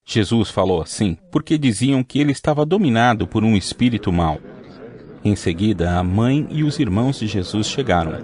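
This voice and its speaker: A man narrating an audio Bible in a steady, measured scripted reading. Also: fairly low pitch. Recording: music playing underneath.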